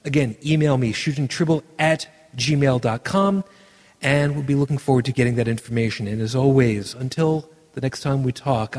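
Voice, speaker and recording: A man hosts a podcast in a husky, mid-pitched voice. He rambles with plenty of fillers and signs off warmly at the end. His voice trails a long reverb. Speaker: podcast host. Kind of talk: casual chat and show sign-off.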